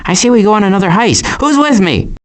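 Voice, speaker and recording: A man voicing a wry, wisecracking woodland animal in an animated video game. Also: sits high, quick pace. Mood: urgent, excited.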